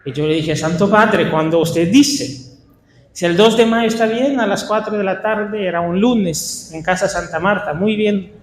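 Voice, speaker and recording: High-voiced priest with an Italian accent in an echoey hall. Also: male voice. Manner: unhurried, halting, with small restarts and filler. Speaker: Franciscan priest leading a catechist workshop. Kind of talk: workshop talk to catechists. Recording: echoey hall with faint ambience.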